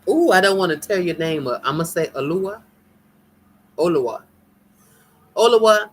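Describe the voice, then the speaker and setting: A woman's voice: low voice, moderate pace, a little hiss or hum. A woman from the United States with an African American accent, chatting casually and teasingly with viewers on a live stream, laughing often. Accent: African American English. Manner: animated, laughing, teasing, folksy. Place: home in Nigeria.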